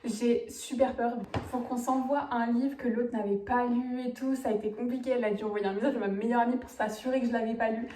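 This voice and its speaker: A woman's voice: a little high, fairly even intonation, brisk, hardly any pauses, warm tone, roomy sound, far from the mic, low-quality recording. A woman booktuber chatting casually to camera, bubbly and gushing, dropping English slang into her talk.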